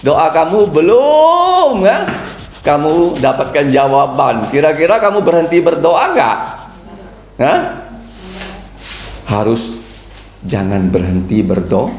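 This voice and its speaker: Sunday school teacher, male, animated questioning delivery, slightly high voice, echoey room. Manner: lively, asks the children questions and answers them himself. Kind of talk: Bible lesson for children. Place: church room.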